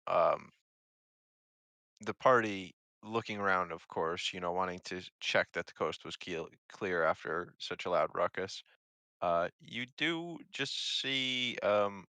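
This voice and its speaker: Bright-voiced male game master. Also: low voice, no echo. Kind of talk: narrating a tabletop game.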